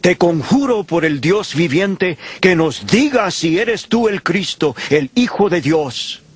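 High-pitched, theatrical high priest. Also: male voice, lively intonation, slow pace, husky, full character voice. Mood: stern, demanding. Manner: theatrical, accusatory, declamatory. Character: stern, outraged high priest interrogating a prisoner. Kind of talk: dramatized Bible audio acting. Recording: music behind the voice.

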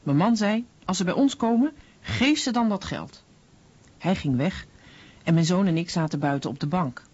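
Female witness, mother, lively intonation, rough-edged voice, dull sound. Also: lowish voice, moderate pace. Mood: recounting. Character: mother and shopkeeper recounting a robbery. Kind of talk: dramatized Dutch voice-over of testimony. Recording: dull, muffled radio recording.

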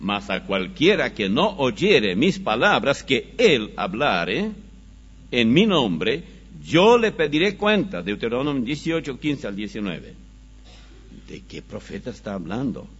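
A man preaching a Bible study, reading scripture slowly and with emphasis, recorded on dull, lo-fi audio. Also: mid-range voice, slightly rough. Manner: slow, emphatic scripture reading with animated rises.

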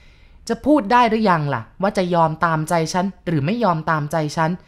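A woman voicing a lecherous, harsh old man who threatens and shouts in slow, drawn-out words. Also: on the low side, close to an everyday voice. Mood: menacing.

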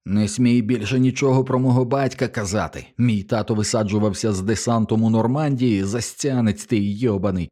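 A man voicing a wild teenage boy who shrieks taunts in a shrill, frenzied way, for an audiobook. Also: steady tone, fairly quick, hardly any pauses, mellow, lightly acted. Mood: taunting shrieks.

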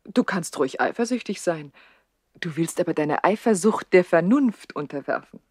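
An actress playing an imperious, passionate noblewoman in a 1960s German radio play, with a breathy, theatrical delivery. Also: fairly low pitch, animated, moderate pace, no echo, clean studio sound. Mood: taunting. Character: imperious, passionate noblewoman lover, teasing and capricious.

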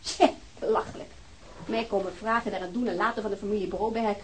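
A woman's voice: medium pitch, steady tone, quick pace, slight background noise, close to an everyday voice. An actress playing a haughty, aristocratic woman who speaks coldly and scornfully. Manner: cold, scornful, disdainful. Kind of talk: radio play acting.

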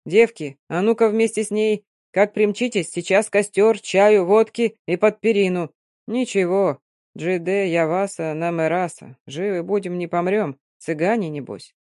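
A reader voicing an old gypsy man who shouts with fervour and speaks in a folksy way. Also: mid-range voice, unhurried, no echo, clean studio sound, natural voice. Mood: folksy, coaxing.

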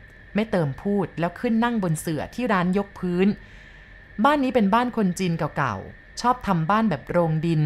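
A woman narrating a ghost story in a slow, measured way. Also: lowish voice, big pitch swings, slight background noise.

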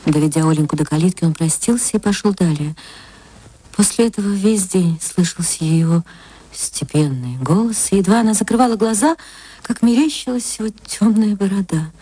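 A woman narrating an old radio play with an emotional manner and sweeping pitch swings. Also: normal speed, mellow, husky, no echo.

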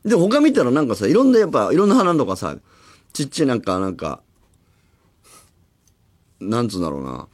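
A man in his forties, a radio host, talking in rambling casual chat with animated acted-out asides, in a studio. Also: medium pitch, a little fast, long pauses. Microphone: studio microphone.

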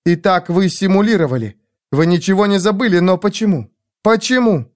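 Raised-voice nervous young woman, a male reader putting her on; lonely, pleading, high-strung. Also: lively intonation, normal speed, dry recording, clean studio sound.

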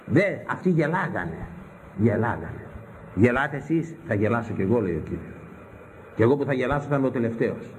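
A man's voice: medium pitch, expressive, a little hiss or hum, poor audio. A man preaching a sermon on scripture, stern and impassioned, firing off rhetorical questions at his listeners.

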